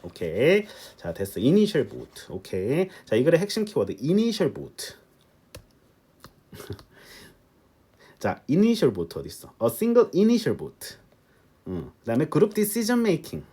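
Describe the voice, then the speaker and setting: A man's voice: a little high, wildly swooping pitch, slow pace, long pauses, warm tone, husky. A man teaching an English test-prep lecture in a chatty style, asking rhetorical questions and joking aside with his students. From Korea. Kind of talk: recorded online lecture.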